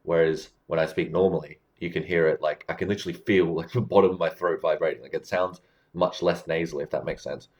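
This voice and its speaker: A man coaching viewers on how to speak, in a relaxed, explanatory way that keeps checking in with the listener. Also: deep voice, fast, lo-fi sound. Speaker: communication coach. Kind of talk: casual advice talk to camera.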